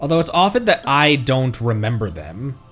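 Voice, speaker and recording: A male streamer with an average-pitched voice talks through a video game. He reads on-screen text aloud and comments on it, now and then halting and repeating a phrase. Music plays faintly underneath. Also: big pitch swings, fairly bright tone. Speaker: streamer, host of a gaming livestream.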